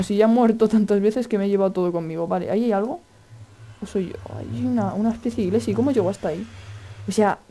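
A man with a Spain Spanish accent giving casual, excitable gameplay commentary, chatty and full of exclamations. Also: high-pitched. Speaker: gaming video host.

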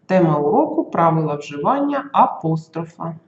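A teacher giving a school grammar lesson, dictating slowly and carefully and sounding out letters and example words. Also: mid-range voice, very animated, roomy sound, dull audio.

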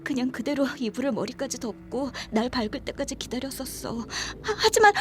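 An actress playing an anxious young woman confiding in a friend, in horror audio drama dialogue with a hesitant, halting delivery. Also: high-pitched, sing-song, noisy background. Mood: hesitant, fearful. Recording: background music under the voice.

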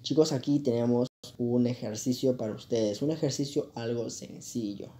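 Male teacher, remote English class, reassuring step-by-step explainer with a deep mellow tone. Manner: explains step by step, switching between Spanish and English; reassuring, repeats words slowly. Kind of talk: bilingual remote English lesson.

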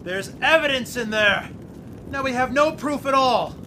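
A man's voice: very high-pitched, moderate pace, sharp tone, slight background noise. An actor playing an earnest, easily exasperated male investigator in an audio drama.

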